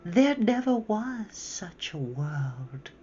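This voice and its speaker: Woman doing a soothing, half-mocking witch queen for a storybook, slow and lilting, lively swoops in pitch, slightly dull recording with faint music. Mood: hushed. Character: coaxing, half-mocking enchantress queen, sweetly menacing.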